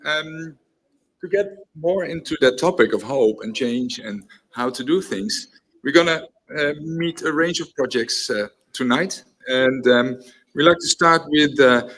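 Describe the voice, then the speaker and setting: A man hosting an event on a theatre stage, introducing the next speaker in a hesitant way with many pauses and fillers. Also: medium pitch, fairly bright tone. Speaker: event host.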